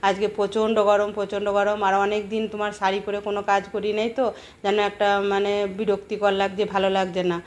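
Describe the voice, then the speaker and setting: A middle-aged homemaker and vlogger, indoors at home, casually walks viewers through her day, talking to them directly and repeating phrases for emphasis. Her mid-range voice moves little in pitch, and she speaks quickly.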